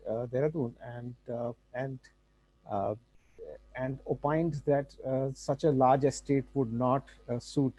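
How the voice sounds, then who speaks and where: A man's voice: mid-range voice, warm tone, low-quality recording. A man with an Indian accent explaining local history to a panel, hesitating and repeating words as he goes. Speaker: panel speaker. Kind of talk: informal explanatory talk.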